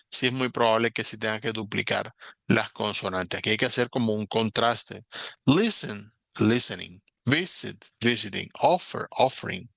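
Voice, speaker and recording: A man's voice: fairly low pitch, creaky, pushed and bright, no echo. A man teaching English grammar in a recorded lesson, explaining patiently, repeating example words and checking in with his students.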